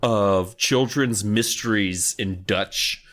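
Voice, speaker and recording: A man's voice: on the low side, slow pace, a bit bright. A man co-hosting a podcast in casual comic chat, prone to swearing and exaggerated exasperation. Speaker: podcast co-host. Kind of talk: casual comic chat, critiquing book covers.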